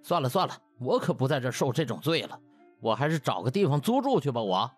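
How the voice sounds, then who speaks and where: A man as an indignant, animated young doctor. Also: mid-range voice, fast, breathy edge, faint music behind. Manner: indignant, complaining. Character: aggrieved, cheeky young male doctor protesting loudly. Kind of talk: comic audiobook acting.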